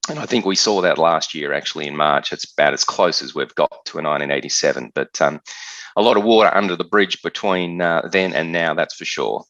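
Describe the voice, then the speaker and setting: Aussie guy in his 50s, really low voice but bright and forceful, dull lo-fi sound, dry. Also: a little fast, no room sound. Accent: Australian. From Australia. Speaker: guest trader. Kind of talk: storytelling interview answers.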